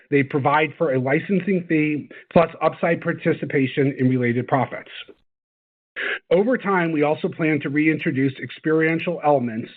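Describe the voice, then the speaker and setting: A man presenting as a company executive on an earnings call, reading scripted corporate remarks in a formal, measured way. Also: on the high side. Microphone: conference call line. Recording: band-limited, phone-like conference call audio.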